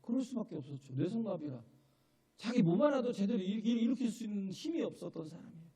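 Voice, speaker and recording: Man pastor preaching in church, high voice that leaps around a lot, keeps asking the crowd, gets loud. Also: animated, quick pace. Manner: emphatic, keeps asking the congregation "예?"; builds to shouted, tearful peaks. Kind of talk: sermon. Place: church sanctuary.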